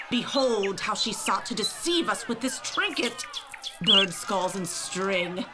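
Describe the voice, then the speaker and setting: A woman playing a treacherous, pompous village elder in an audio drama, orating theatrically. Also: a little high.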